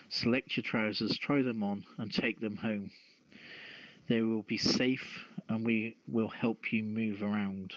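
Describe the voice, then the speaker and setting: A man hosting a news podcast, reading stories aloud in a halting way with stumbles. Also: lowish voice, a bit bright, no room sound. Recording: dull lo-fi, dry close sound.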